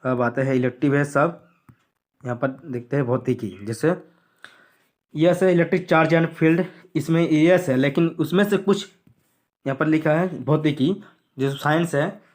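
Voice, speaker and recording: A man's voice: fairly high pitch, steady tone, a little slow. A man going through a school syllabus on screen, repeating what to study and what to skip in a plain explanatory way. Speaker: teacher.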